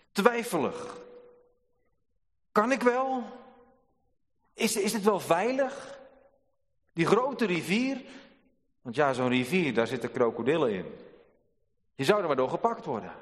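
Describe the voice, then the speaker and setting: A man preaching from the pulpit in a slightly raised voice, his deliberate words repeating key phrases. His voice carries a long reverb through the church hall, picked up by a pulpit microphone. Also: sits high. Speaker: pastor. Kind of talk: sermon. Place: church sanctuary.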